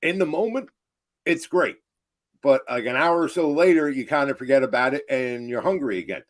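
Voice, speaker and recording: A man's voice: mid-range voice, expressive, moderate pace. A man co-hosting a show with casual, wry banter and argumentative commentary. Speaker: show co-host.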